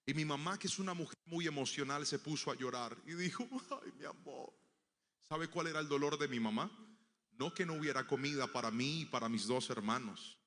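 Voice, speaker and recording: A man's voice: mid-range voice, brisk, in a large hall. A man preaching a sermon, telling a personal story and acting out the voices of the people in it. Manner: storytelling, acting out quoted voices, swelling to loud proclamation.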